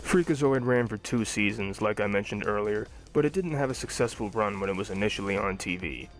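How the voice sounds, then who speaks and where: A man's voice: on the low side, a little fast, soft background music. A young adult man narrating a scripted cartoon review.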